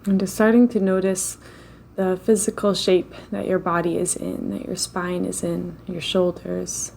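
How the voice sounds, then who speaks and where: A woman leading a slow guided meditation in a gentle, unhurried way, with long pauses between phrases. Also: on the low side, level tone, gravelly, slight background noise.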